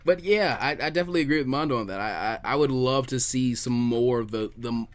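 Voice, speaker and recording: A man's voice: medium pitch, quick pace. A man hosting a podcast in casual conversation, informal and repeating words for emphasis. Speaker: podcast host.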